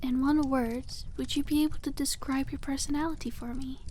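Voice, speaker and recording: A woman voicing a cute, kindly witch shopkeeper in an ASMR roleplay, speaking softly and teasingly with old-fashioned courtesy. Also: high-pitched, fairly even intonation, brisk, slight background noise, lightly acted. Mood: gentle, attentive. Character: cute, coy, kindly witch selling dragon eggs. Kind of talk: ASMR roleplay, scripted and addressed to listener.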